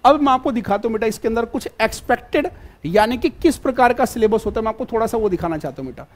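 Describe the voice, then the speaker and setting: Very high-voiced, animated and fast, this teacher runs an exam-prep class live online. He treats students in a fatherly way, repeating points, calling them "beta," and checking in on whether they're following.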